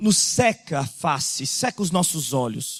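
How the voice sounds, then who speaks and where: The speech has lively intonation and a very slow pace. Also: man. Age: 30s. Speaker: pastor. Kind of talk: sermon. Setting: church.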